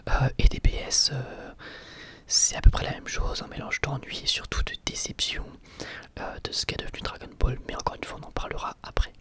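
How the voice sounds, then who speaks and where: A man hosting an ASMR channel, answering viewer questions in a soft, hesitant whisper with frequent pauses.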